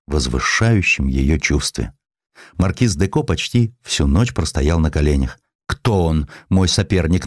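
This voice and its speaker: A man narrates history. His delivery is theatrical and highly expressive, with wide swings of intonation. The sound is dry and close, as in a scripted audiobook. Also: dry recording.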